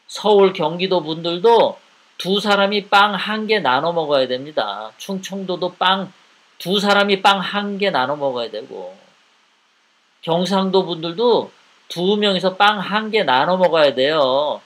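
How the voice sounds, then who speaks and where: Hosting live political commentary, a man with a high-pitched, slightly bright voice sounds indignant and drives his points home with repeated rhetorical questions. He is expressive and keeps a measured pace.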